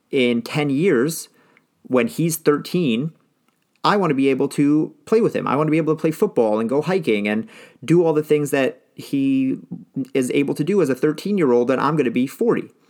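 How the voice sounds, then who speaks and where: Lively intonation from a man with a plain, everyday voice, pitched fairly high and paced moderately. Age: 30s. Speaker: podcast host and health coach. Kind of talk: solo podcast monologue.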